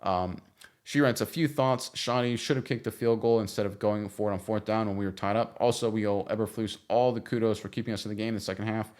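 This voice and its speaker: Chatty low-voiced male sports host. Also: fast talker. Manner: chatty, frequent restarts and fillers, animated when retelling. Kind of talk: casual commentary reading viewer comments.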